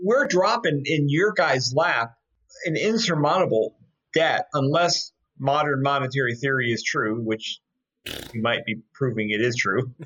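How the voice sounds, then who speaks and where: With a plain, everyday voice, a man speaks fairly slowly at a fairly high pitch, his intonation lively. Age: 60s. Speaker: author and former congressional staffer. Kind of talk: casual chat.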